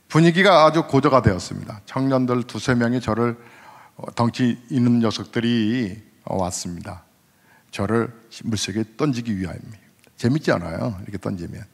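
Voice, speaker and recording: A senior pastor in his fifties preaches in a church sanctuary, telling stories conversationally and putting questions to the congregation. His pitch climbs at emotional moments, and vocal fry colors his voice. A long hall reverb hangs on the recording.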